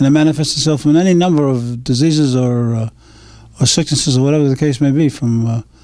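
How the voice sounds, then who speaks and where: A man rattles along at a very fast pace, his fairly high-pitched voice carrying a dark, mellow tone and fairly even intonation. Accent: New England. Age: 70s. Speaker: activist. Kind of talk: interview testimony. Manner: halting.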